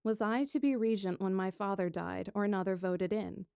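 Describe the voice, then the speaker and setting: A woman's voice: mid-range voice, normal speed, gravelly, clean tone, no echo, natural voice. Woman playing witty young princess engineer, dry recording. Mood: wry, reflective. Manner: theatrical, expressive storytelling. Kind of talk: first-person scripted narration, fan audio fiction.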